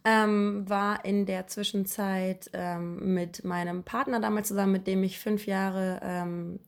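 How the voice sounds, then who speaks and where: A young woman in her late twenties chats casually as a podcast co-host, sitting in an apartment living room. She rambles through her story with plenty of fillers and a giggly, relaxed manner. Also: mid-range voice, unhurried. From Germany. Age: 20s. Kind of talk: casual chat.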